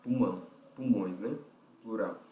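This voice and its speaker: A man's voice: on the low side, a little slow, warm tone. Brazilian man teaching, roomy and distant. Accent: Brazilian Portuguese. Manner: explains step by step, checks himself aloud, frequent "né?" and "ok?". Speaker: vocal technique teacher. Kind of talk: online lesson explanation.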